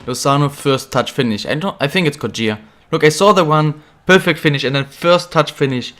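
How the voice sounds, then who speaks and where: A young man who is a bit ill, chatting casually while commentating his own football video game career, getting excited at goals. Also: on the high side, fairly quick. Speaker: gaming channel host.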